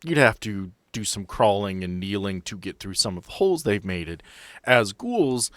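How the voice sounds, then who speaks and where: A man's voice: on the low side, very animated, normal speed, fairly bright tone, no room sound. A man working as game master, narrating a tabletop role-playing game in a descriptive, explanatory way with asides.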